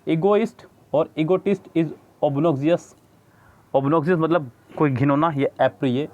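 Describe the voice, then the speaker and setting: A man teaching English vocabulary to students, reading the book's English text slowly and explaining it quickly in Hindi. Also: mid-range voice. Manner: addresses students as children. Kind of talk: Hindi-English book lesson. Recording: dull lo-fi audio.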